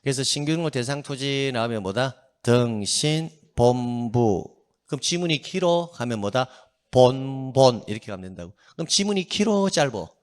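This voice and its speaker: A man's voice: mid-range voice, quick pace, few pauses. A middle-aged man lecturing on exam prep, often asking a question and answering it himself, drilling his students to repeat key phrases aloud, and adding joking asides. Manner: animated, asks and answers his own questions.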